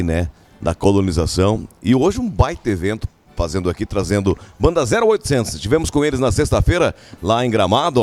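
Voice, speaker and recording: A man with a Rio Grande do Sul accent reporting live for a radio show, chatty and lively. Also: fairly low pitch. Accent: Rio Grande do Sul Portuguese. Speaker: field reporter.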